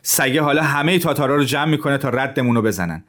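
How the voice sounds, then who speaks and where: A man's voice: medium pitch, expressive, pitched above the performer's own voice, close to an everyday voice. A man voicing a brave, resolute young officer who talks in an urgent, commanding way. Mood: determined. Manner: urgent, commanding, loud in tense moments.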